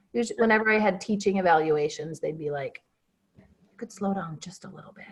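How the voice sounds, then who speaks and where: A woman talks in a normal speaking voice at medium pitch. Her intonation is lively and her pace fairly quick. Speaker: fitness coach. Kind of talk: casual chat.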